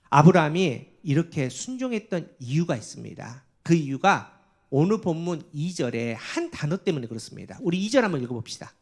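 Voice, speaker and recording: A man's voice: fairly high pitch, creaky. Korean pastor guy preaching hard, voice swings up and down a lot, keeps saying "everyone". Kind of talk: sermon.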